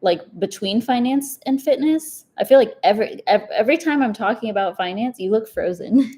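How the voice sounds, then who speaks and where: A woman's voice: a little high, expressive, normal speed, mellow, breathy edge. A young woman hosting a casual live chat about personal finance, chatty and upbeat, with lots of "like" and easy laughs. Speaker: personal finance livestream host. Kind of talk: casual live chat answering viewer questions.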